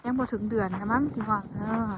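This Isan-accented vlogger speaks quickly in a steady, mid-range voice over a very noisy recording. Out walking in the cold, she chats informally to her viewers, whom she calls siblings, and goes on complaining at length.

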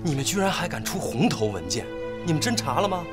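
An earnest younger brother in a TV drama, pressing hard with pointed questions. His fairly high voice moves a lot, with music under him. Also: sing-song, quick pace. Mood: worried.

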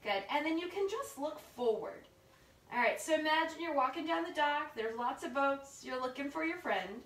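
A high-pitched, expressive, fairly bright voice at a moderate pace belongs to a yoga instructor guiding her class with playful, informal, encouraging step-by-step cues. She is at home in her living room, recorded from across the room on a distant camera mic, giving a roomy home sound.

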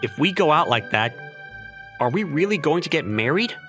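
A man acts out a flustered young office worker in a manga dub. His voice is lively and swings widely in pitch, skeptical and exasperated, with faint music behind it. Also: normal speed. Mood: hesitant, resigned. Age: young adult. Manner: exasperated, incredulous, animated. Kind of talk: manga dub acting with inner narration.

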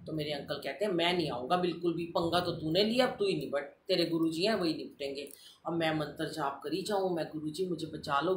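A woman's voice: lowish voice, fairly bright tone, reverberant, a little hiss or hum. A middle-aged woman telling a personal devotional story to a congregation, acting out the quoted speech as she goes. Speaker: storyteller sharing a devotional testimony. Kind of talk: spoken testimony to a congregation.

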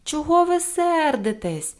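A woman's voice: a little high, expressive, normal speed, lightly acted. A woman voicing a cheerful, cheeky little girl in an audiobook, with playful, exclaiming lines. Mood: friendly. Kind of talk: audiobook character voice.

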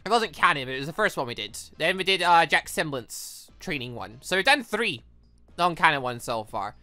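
Chatty man with a lively, bright voice. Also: a little high, fairly quick, no echo, faint music behind. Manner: rambling, chatty, reads game text aloud. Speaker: let's-play host. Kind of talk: casual gameplay commentary.

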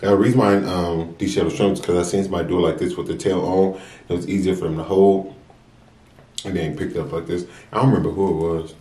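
A man's voice: low-pitched, fairly even intonation, warm tone. Young American man, casual and roomy-sounding. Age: young adult. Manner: earnest, unhurried, talks between bites. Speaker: mukbang vlogger. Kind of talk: casual confessional chat to viewers while eating.

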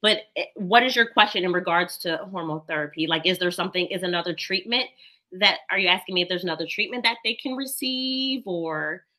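A woman in her thirties explains medical facts with calm confidence from a room at home. Her voice is bright and a touch low, picked up by a laptop mic. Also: brisk. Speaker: doctor and guest. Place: home room, video call.

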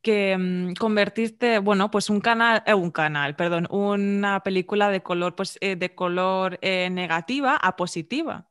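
Chatty young Castilian-accented podcast host. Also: female voice, medium pitch, clean tone. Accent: Castilian Spanish. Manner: chatty, warm interjections, quick restarts. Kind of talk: casual interview chat. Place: home room, video call. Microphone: large studio mic on boom arm.

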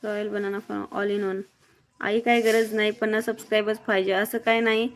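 A woman from Maharashtra hosting a live stream, briskly greeting viewers by name and reading their comments aloud in a blunt, outspoken way. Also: medium pitch, little pitch movement. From Maharashtra, near Mohol. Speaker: livestreamer.

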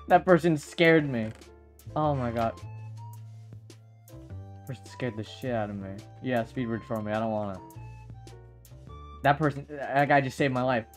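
A man doing casual Minecraft gaming commentary, excitable, swearing often and stammering through restarts. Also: mid-range voice, measured pace, pauses often, faint music behind. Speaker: Minecraft YouTuber.

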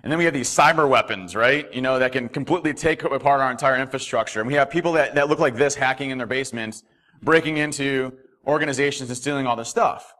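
A man giving a conference keynote from a podium in a hotel ballroom, animated and quick, with lots of fillers and restarts. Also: medium pitch. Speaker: keynote speaker.

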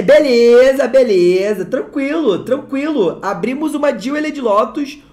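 A Brazilian-accented channel host giving casual unboxing commentary, excitable, swearing and repeating exclamations. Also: medium pitch. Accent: Brazilian Portuguese. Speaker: card-opening channel host.

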